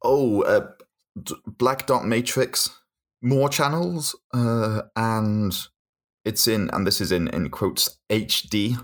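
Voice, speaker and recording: A man with a deep voice, co-hosting a podcast in casual chat and laughing often as he jokes. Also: slow pace. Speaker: podcast co-host.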